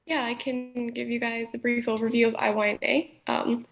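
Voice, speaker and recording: A woman's voice: on the high side, level tone, normal speed, creaky, lo-fi sound. A young woman giving a friendly, informative overview of her organization over a video call. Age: young adult. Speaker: nonprofit chief executive.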